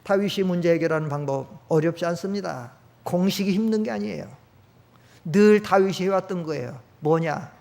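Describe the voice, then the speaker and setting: A man preaching in a very high, emphatic voice. He fires rhetorical questions and sometimes bursts into shouting. His words ring out with the long reverb of a church sanctuary. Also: normal speed, gravelly. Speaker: pastor. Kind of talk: sermon.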